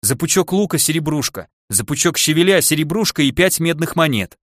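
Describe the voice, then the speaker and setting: A man voicing an exhausted, harried male dwarf shopkeeper who speaks hoarsely in an audiobook. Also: a little high, lively intonation, a little fast, no room sound, clean studio sound, pitched above the performer's own voice. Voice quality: hoarse, groaning.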